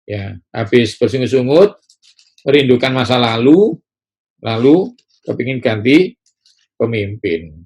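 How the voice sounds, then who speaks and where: A man with a gravelly voice preaches a sermon at a middle pitch. He talks in a lively way and now and then acts out the fretful voices of ordinary people. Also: measured pace, pauses often.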